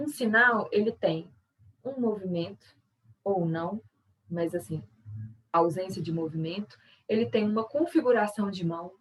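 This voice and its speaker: A woman's voice: medium pitch, distant mic, low-quality recording. Brazilian woman teaching over a call. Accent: Brazilian Portuguese. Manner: explanatory, conversational, many tag questions. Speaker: sign language interpreter and workshop teacher. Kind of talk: online workshop lesson.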